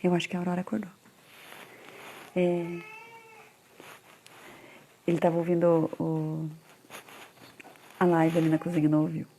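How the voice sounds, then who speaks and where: A woman's voice: fairly low pitch, monotone, a little slow, long pauses, warm tone, a little hiss or hum. A woman in her thirties, a mother and parenting educator, giving a casual conversational live talk with frequent tag questions.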